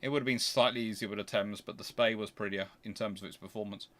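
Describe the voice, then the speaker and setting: A British man hosting a casual question-and-answer livestream, talking in a rambling, halting way and often repeating and rephrasing himself. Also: lowish voice, fairly even intonation, a bit bright.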